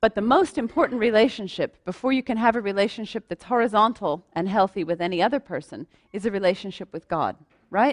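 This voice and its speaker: In an unremarkable speaking voice with an American accent, a woman talks at a moderate pace with fairly high pitch and lively intonation, recorded dry and close with no echo against a quiet background. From United States. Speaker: speaker. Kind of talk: sermon.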